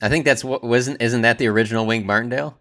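A man with a steady, mid-range, slightly bright voice cohosts a sports podcast. He rambles through stories with fillers, laughs easily, and sometimes speeds up in quick bursts of casual sports chat.

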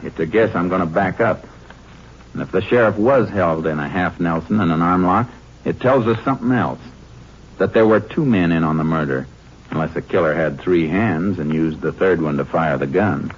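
An actor playing a steady, shrewd Texas Ranger investigator in a matter-of-fact, authoritative 1950s radio western style. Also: male voice, deep voice, moderate pace, husky. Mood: firm. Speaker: lead actor and narrator. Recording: noisy, clicking, muffled 1950s radio recording.

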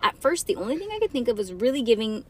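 A woman voicing an eager, matter-of-fact little girl in a children's storybook, brisk and sassy. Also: fairly high pitch, sing-song, a little mellow, a little hiss or hum. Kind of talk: children's storybook read aloud.

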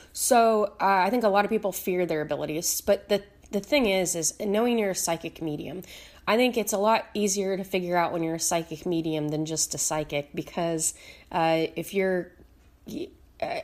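A woman with a slightly raspy voice and a somewhat low pitch talks casually to her viewers. She speaks in a relaxed, unhurried way, often pausing on "uh" and restarting her sentences. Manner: relaxed, many fillers and restarts. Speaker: psychic medium teacher. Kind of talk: casual talk to camera.

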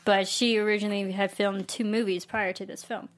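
Woman, casual film-chat co-host, mid-pitched, chatty, restarts sentences, laughs easily. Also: flat delivery, brisk. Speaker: podcast co-host.

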